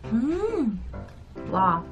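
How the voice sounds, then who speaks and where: A woman's voice: a little high, very slow. A woman vlogger tasting pudding and chatting casually while talking with food in her mouth. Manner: chatty, animated tasting remarks. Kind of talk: casual mukbang review. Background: background music.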